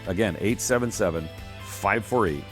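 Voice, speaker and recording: A middle-aged man hosting a call-in radio show, upbeat and quick, often repeating himself. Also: on the low side, fairly bright tone, soft background music. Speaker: radio host.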